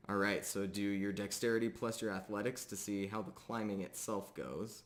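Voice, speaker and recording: A man with a fairly low, creaky voice works as game master. He improvises descriptions for a tabletop game, laying out scenes piece by piece with hesitant phrasing. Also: steady tone, normal speed.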